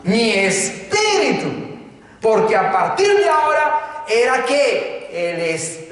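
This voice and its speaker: A man's voice: extremely high pitch, big pitch swings, slow, fairly bright tone. A man preaching a sermon, driving his points home with emphatic rhetorical questions. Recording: distant mic, echoey hall.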